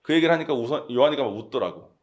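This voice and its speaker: A man's voice: mid-range voice, lively intonation, racing, darkish tone, muffled recording. A talkative man with a Gyeongsang accent, preaching a casual, conversational sermon and often checking in with his congregation. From Gyeongsang region, South Korea.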